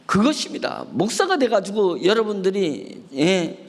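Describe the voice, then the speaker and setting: Gravelly, animated Korean pastor preaching. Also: male voice, sits high, a little slow, big-room sound, slight background noise. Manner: preaching with rhetorical questions and acted prayers. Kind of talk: sermon. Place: church sanctuary.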